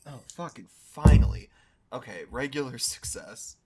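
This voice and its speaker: A player in a tabletop game, talking in an animated, expressive way and quick to swear. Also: mid-range voice, background noise. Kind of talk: casual tabletop game play.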